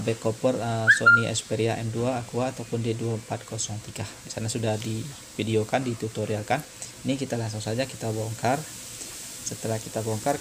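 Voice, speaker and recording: A man giving an informal hands-on repair tutorial, explaining step by step in a hesitant, repetitive way. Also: mid-range voice. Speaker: phone repair tutorial presenter. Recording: noisy home-made recording.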